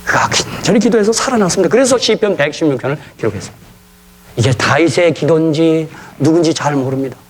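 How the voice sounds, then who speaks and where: Male pastor preaching in church, kinda high husky voice, keeps calling on the crowd to say it with him. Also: quick pace. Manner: animated storytelling, prompts the congregation to repeat after him. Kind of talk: sermon.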